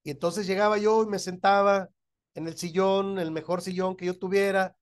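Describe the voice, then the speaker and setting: A man's voice: high-pitched, fairly even intonation, moderate pace. A middle-aged man with a Mexican accent, a pastor teaching a church class who often asks his listeners whether they agree and chuckles as he talks.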